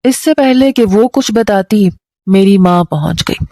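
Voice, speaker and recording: A woman storyteller giving scripted first-person story narration in a steady, even delivery. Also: mid-range voice, unhurried, no echo.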